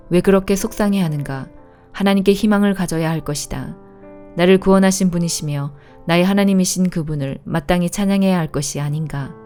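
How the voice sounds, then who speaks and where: Low, mellow-voiced woman reading scripture. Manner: calm, measured reading aloud. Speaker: Bible reader. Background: faint instrumental music.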